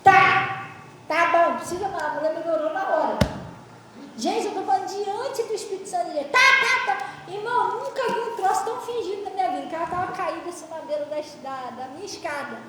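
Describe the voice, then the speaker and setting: A woman pastor preaching in an animated, laughing storytelling style. Her voice is very high, with a long hall reverb from a distant mic and faint background noise. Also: fast. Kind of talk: storytelling sermon. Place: church. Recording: echoey church hall, mic far off.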